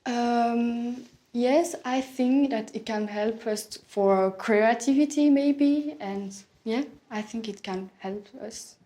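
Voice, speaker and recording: A young Belgian woman, her voice a little high and dark-toned, speaks slowly as a candidate in an English speaking test. She answers hesitantly in simple, non-native English, searching for words.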